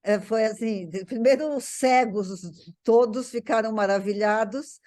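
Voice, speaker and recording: An older woman reminiscing in casual conversation, haltingly, often repeating words as she searches for phrasing. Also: a little high, a little mellow. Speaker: guest recalling a parent's life.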